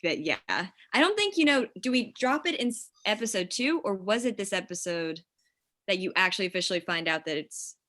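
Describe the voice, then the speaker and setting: Bright-voiced woman chatting casually. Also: medium pitch, expressive, a little fast, dry recording, studio quality. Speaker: writer in a table-read discussion. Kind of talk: casual chat.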